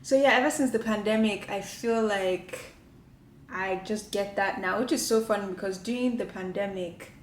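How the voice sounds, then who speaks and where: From her home kitchen, a woman vlogs to the camera, chatting casually and rambling with lots of "like" fillers. Her mid-range voice moves at a normal speed in an echoey room with faint ambience and a little hiss or hum.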